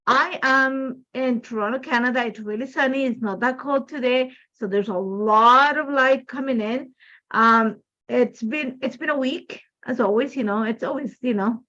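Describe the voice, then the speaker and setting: A woman's voice: a little high, fairly bright tone, dull audio. A woman from Ecuador whose first language is Spanish, speaking English with an Ecuadorian Spanish accent as she hosts a live crafting demo from home, chatty and rambling with many "like, you know" fillers. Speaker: design team member hosting a live crafting demo. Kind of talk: casual live-stream chat.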